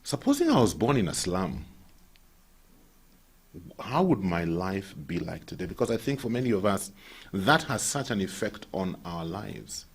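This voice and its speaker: A man with a Kenyan accent hosting a talk show, telling stories and asking questions in a lively way. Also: deep voice, normal speed, creaky, husky. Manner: animated storyteller who poses questions. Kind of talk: casual talk-show discussion.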